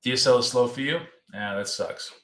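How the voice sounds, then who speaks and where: A man's voice: mid-range voice, a little fast, a bit bright, reverberant. A man hosting a live trading stream from his home office. He talks in a loose, chatty way, repeats words often, and is losing his voice. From United States. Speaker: trading show host. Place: home office in a city apartment.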